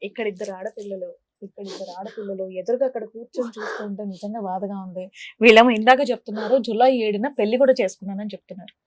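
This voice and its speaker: A woman hosting a family dispute talk show, mediating in a sharp, reproachful way. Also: medium pitch, fairly even intonation, racing, no echo.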